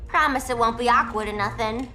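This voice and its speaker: A woman's voice: on the high side, brisk, over music, natural voice. An actress playing a giddy, unhinged young female jester villain in a video game, with a singsong, squealing delivery. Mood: playful.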